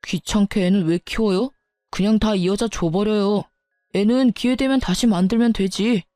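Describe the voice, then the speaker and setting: A woman's voice: medium pitch, moderate pace, dark tone, no echo, faint music behind, natural voice. A woman voicing a whiny, entitled husband. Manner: whiny, dismissive complaining. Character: selfish, entitled adult son and husband. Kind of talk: dramatized story reading.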